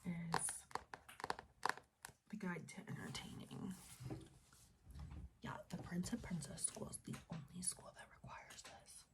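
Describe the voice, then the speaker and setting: A woman softly role-playing a friendly, easygoing student advisor in an ASMR style, casual and halting, with some whispering. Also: mid-range voice, rough recording. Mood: calm, explanatory. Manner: casual, unhurried, halting with trailing pauses. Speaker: ASMR roleplayer. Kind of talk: ASMR roleplay, soft-spoken with some whispering. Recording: faint noise, keyboard typing and clicking. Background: typing, tapping and clicking sounds.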